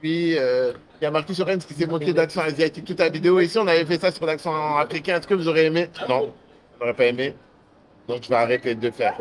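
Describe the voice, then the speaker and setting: A young man vlogging casually to the camera as he travels, in hyped, slangy street talk. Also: on the high side. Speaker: entrepreneur vlogger. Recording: noisy traffic and street background.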